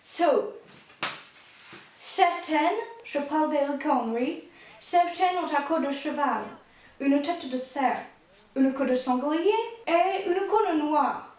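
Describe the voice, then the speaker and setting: A woman playing a self-important old-time scholar man, high voice, slow and drawn out, fake accent. he lectures in a bouncing echoey room, like a comedy sketch. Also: darkish tone, a little hiss or hum. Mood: mock-learned. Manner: mock foreign accent, slow lecturing delivery. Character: pompous medieval male encyclopedist, jokey.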